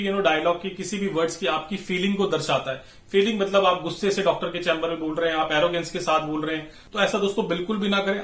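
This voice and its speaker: Guy in his 30s doing a training talk, quick and high-ish voice, lots of you-knows, roomy echo. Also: fairly bright tone. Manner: chatty, addresses viewers as friends, frequent "you know" fillers. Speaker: pharma sales trainer. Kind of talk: instructional talk to camera.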